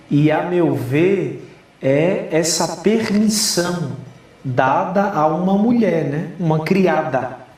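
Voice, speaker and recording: A man's high-pitched voice with lively intonation, amid noticeable background noise and audible room echo. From Northeast Brazil. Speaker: TV co-host. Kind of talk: TV Bible study dialogue.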